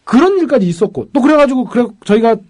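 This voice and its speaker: A man, a defense lawyer, telling a case story in a lively panel talk and acting out the people he quotes. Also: extremely high pitch, quick pace.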